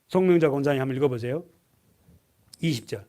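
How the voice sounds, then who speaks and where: A middle-aged man preaching a Sunday sermon in church, asking the congregation questions and having them underline verses, his voice rising to loud emphasis and dropping to near-whispers. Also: mid-range voice, fast. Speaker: pastor. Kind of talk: expository sermon. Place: church sanctuary.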